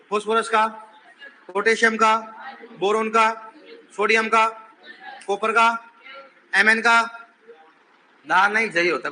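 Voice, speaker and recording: A man's voice: high voice, slight background noise. A male teacher lecturing a classroom, quizzing and teasing his students and raising his voice to drill the answers. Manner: says he is shouting while teaching.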